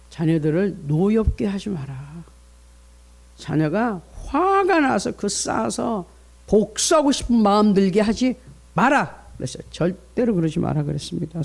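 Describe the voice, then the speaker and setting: A man's voice: sits high, gravelly, a little mellow. A middle-aged male pastor giving an early-morning prayer sermon, preaching earnestly and reading scripture aloud. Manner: earnest preaching, reads scripture aloud, acts out parents' inner voices.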